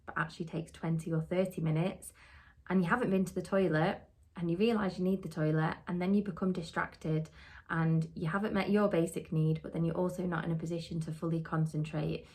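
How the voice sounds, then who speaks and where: A middle-aged woman, giving an earnest, steady training talk on social work and asking many rhetorical questions. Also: sits low. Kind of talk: podcast teaching talk.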